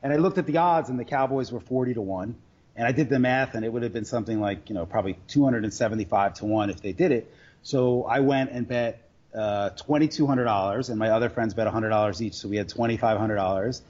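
A man speaks in an average-pitched voice on dull, lo-fi audio. He tells stories casually, often stopping and restarting as he rambles along. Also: fast talker, a little mellow. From Queens, New York. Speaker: sports bettor guest. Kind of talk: casual storytelling interview.

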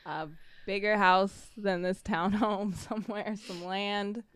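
A woman's voice: mid-range voice, fairly even intonation, takes it slowly, clear, resonant tone, dry recording, clean studio sound. A woman co-hosting a basketball podcast from her townhome, talking in an easygoing way and laughing often. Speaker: podcast co-host. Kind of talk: casual chat. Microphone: podcast mic.

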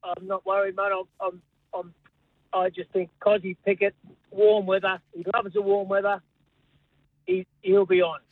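Casting: laconic blokey Aussie working man, fairly high voice, casual caller on a thin phone line. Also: level tone, moderate pace, long pauses, dry recording. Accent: Australian, Melbourne. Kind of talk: casual chat. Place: on a call while driving home.

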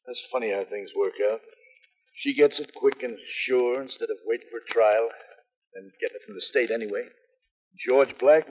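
A man's voice: medium pitch, husky, lightly acted. A man playing a weary police lieutenant who speaks in dry, matter-of-fact cop talk, on an old radio transcription. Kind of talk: 1950s radio drama acting. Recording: dull old transcription with reverb.

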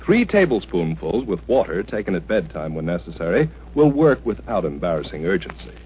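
An American man reading a chipper 1950s radio advertisement as announcer, in an emphatic, measured sales pitch. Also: sing-song, a little hiss or hum. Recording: muffled old radio broadcast, faint music.

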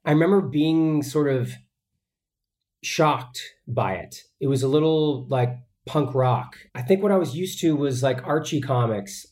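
A man from the Boston area, a voice actor guest, telling stories in a relaxed, reflective and rambling way. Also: fairly high pitch, unhurried. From Boston area, USA. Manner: reflective, rambling, many fillers and restarts. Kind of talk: relaxed storytelling in an interview.

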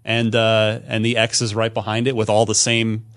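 A man's voice: on the low side, completely flat delivery, normal speed, fairly bright tone. Man hosting a casual podcast. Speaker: podcast host. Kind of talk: casual gaming podcast discussion.

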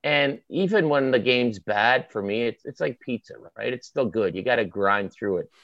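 With a medium-pitched, animated voice at a moderate pace, a Maritime Canadian author appears as a podcast guest to sound off on sports. He's emphatic, colloquial and opinionated, speaking in short punchy bursts. The sound is dry and lo-fi.

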